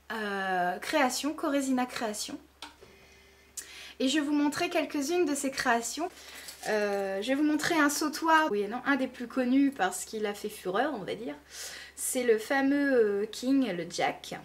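A woman's voice: a little high, slight background noise. A woman vlogging casually, showing off jewelry with gushing enthusiasm and lots of fillers. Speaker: beauty vlogger. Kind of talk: casual show-and-tell.

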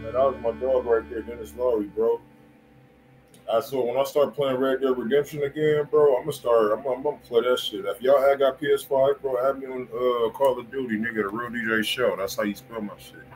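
A man's voice: medium pitch, fairly even intonation, a little fast, a little mellow, poor audio. An American man hosting a music livestream, chatting casually in heavy slang and saying "bro" often, in a small indoor room. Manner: slangy, peppered with "bro" and filler repeats. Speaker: host of a music review livestream. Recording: clear background noise, room ambience.

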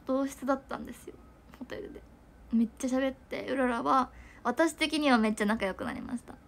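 A woman's voice: high-pitched, a little fast, slight background noise. A young woman chatting casually to viewers on a livestream, giggling and rambling with lots of fillers. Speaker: idol livestreamer.

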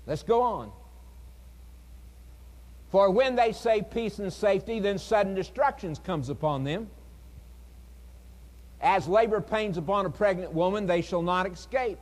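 High-voiced preacher in a reverberant hall. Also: male voice. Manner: dramatic pauses, pleading and earnest, swings loud and soft. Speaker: evangelist preacher. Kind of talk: revival sermon.

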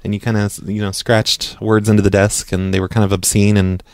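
A man's voice: on the low side, little pitch movement, no echo, studio quality. Stammering man making a prank call. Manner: stammering, halting, mock-earnest. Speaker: prank caller.

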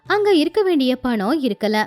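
Lively high-voiced woman narrating a story. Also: moderate pace.

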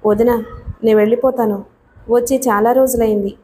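A woman reading an audiobook voices a gentle, timid young woman who speaks softly. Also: fairly high pitch, steady tone, normal speed, a little hiss or hum, lightly acted. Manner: soft-spoken.

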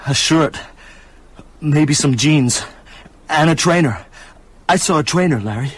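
A man's voice: fairly high pitch, animated, a little slow, husky. An actor in a radio drama playing an anxious, simple small-town working man, hesitant and plain-spoken.

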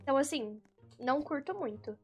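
A young Brazilian woman commentating her own gameplay, with excitable, exasperated outbursts. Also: high-pitched, brisk, faint music behind. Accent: Brazilian Portuguese. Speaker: gaming YouTuber.

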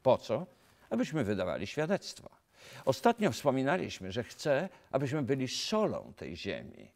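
A man's voice: medium pitch, normal speed, gravelly. A man in his fifties from Poland, a pastor giving an earnest sermon to camera in a studio, asking rhetorical questions, recorded on a lapel mic. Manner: earnest, animated preaching with rhetorical questions and gestures. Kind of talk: filmed sermon talk to camera. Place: dark studio set, indoors.

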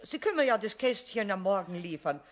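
A courteous lady customer in a radio play. She speaks at a middling pitch in a prim manner that is quick to take offence. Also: big pitch swings. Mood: indignant. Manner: courteous, turning prim and miffed. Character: polite, easily indignant lady customer.

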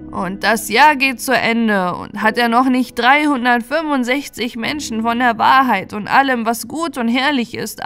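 A woman's voice: on the high side, fairly bright tone. Woman reading as foreboding, talkative bog witch. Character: talkative old bog witch, ominous storyteller. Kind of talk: fairy-tale audiobook character narration. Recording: music bed under narration.

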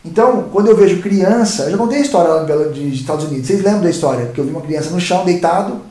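High-voiced Brazilian man rambling to viewers. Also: animated, very fast, dark tone. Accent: Brazilian Portuguese. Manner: rambling, repeats and restarts words, talks straight to viewers. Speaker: YouTube channel host. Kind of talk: casual storytelling monologue. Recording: roomy echoey sound.

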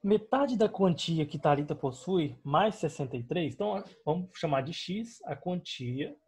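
Husky Brazilian man teaching math. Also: a little high, animated, measured pace, darkish tone. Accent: Brazilian Portuguese. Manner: patient step-by-step explaining, checks in with students often. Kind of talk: online math class explaining on a digital board. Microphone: voice-over on screen recording.

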